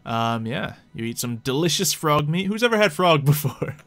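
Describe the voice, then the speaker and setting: A man's voice: fairly high pitch, lively intonation, normal speed, a bit bright. Man casually running a tabletop game. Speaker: game master. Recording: music behind the voice. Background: music.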